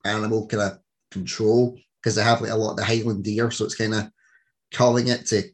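A man's voice: on the low side, little pitch movement, fairly quick. A man hosting a casual interview podcast, joking and rambling as he talks with his guest over a call. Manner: jokey, rambling, laughs often. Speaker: podcast host.

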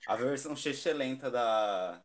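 A man's voice: medium pitch, expressive, a little slow, over a noisy crowd. A man with a Brazilian Portuguese accent in casual chat, gushing and emphatic about what he loves. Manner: gushing, emphatic fan talk.

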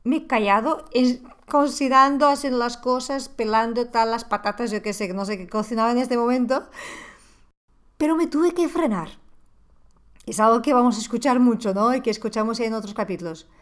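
A woman's voice: a little high, normal speed. A woman talking through a reflective monologue on parenting, asking the listener rhetorical questions. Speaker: parenting podcast host.

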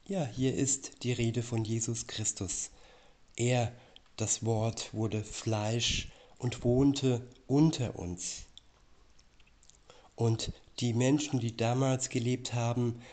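A man reading Bible verses aloud and explaining them in a slow, deliberate preaching style. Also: mid-range voice, darkish tone. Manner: slow, measured, deliberate delivery.

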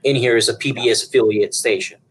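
A man from Puerto Rico in his thirties, a guest on an interview show. He talks about his work in a loose, rambling way, full of fillers and restarts, at a middle pitch. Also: fairly even intonation, fast, fairly bright tone, slightly rough, rough recording. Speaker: guest broadcast engineer. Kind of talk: conversational interview.

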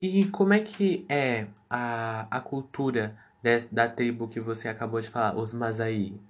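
A man hosting a podcast interview, asking questions slowly with hesitant fillers. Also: medium pitch, a little hiss or hum.

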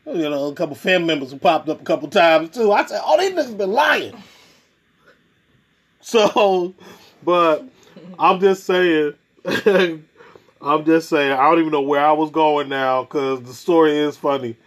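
A man hosting a podcast in casual chat, telling stories in an animated way, laughing often and acting out what people said. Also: on the high side, a little slow, long pauses. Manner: animated storyteller, laughs often, acts out quotes. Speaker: podcast host.

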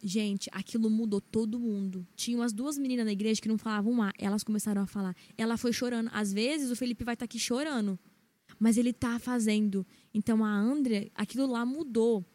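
A Brazilian woman co-hosts a casual Christian podcast and turns straight to the audience to drive her points home. Her voice sits a little high. She speaks with steady emphasis. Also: brisk. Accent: Brazilian Portuguese. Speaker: podcast co-host.

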